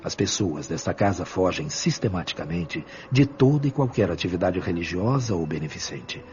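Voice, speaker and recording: A Brazilian actor playing a fatherly, benevolent spirit mentor in a radio drama, speaking in a measured, earnest and solemn way. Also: low voice, expressive, a little mellow, a little hiss or hum. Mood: earnest, grave. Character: Brother Félix, benevolent superior spirit mentor, fatherly, grave. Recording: dull lo-fi sound with music. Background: background music.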